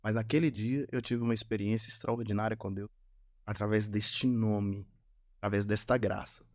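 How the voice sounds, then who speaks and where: A Catholic missionary appearing as a podcast guest tells his personal testimony, an earnest storyteller who repeats phrases for emphasis. His voice is on the low side and darkish, steady in tone and at normal speed.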